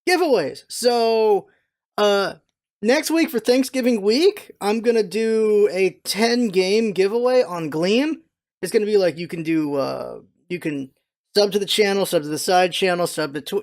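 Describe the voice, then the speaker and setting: A man with a noticeably high voice talks as the host of his own channel. His delivery is casual and unscripted, meandering from point to point as he thinks aloud in an informal way. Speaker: video creator and streamer, channel host. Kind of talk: casual channel update, rambling chat.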